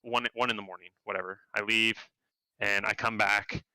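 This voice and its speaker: A man, a game developer, telling work stories in a casual interview, animated and jumping up in pitch when he quotes people. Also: normal speed, clean tone, no room sound, low-quality recording. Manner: animated, acts out quotes in a higher voice.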